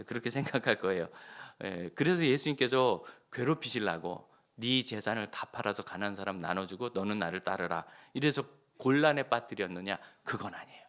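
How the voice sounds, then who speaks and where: A middle-aged male pastor delivering a sermon in a relaxed, conversational way. He jokes with the congregation and now and then sinks to a soft, near-whispered aside. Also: mid-range voice.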